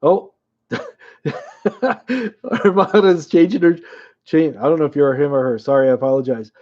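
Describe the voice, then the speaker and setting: A man's voice: fairly high pitch, fairly even intonation, normal speed, dull audio. A man casually hosting a live-chat trivia game, chuckling often and reading viewers' names aloud.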